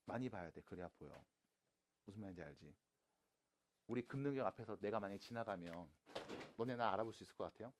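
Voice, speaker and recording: A man teaching math to high school students in a classroom, casual and teasing, switching between polite and plain speech. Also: animated, fast, pauses often, a little hiss or hum. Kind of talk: classroom lecture.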